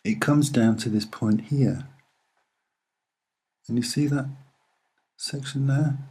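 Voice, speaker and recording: Male amateur presenter, soft and unhurried, husky edge, deliberate off-the-cuff explanation in short phrases. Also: medium pitch. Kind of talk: unscripted soft-spoken commentary over images.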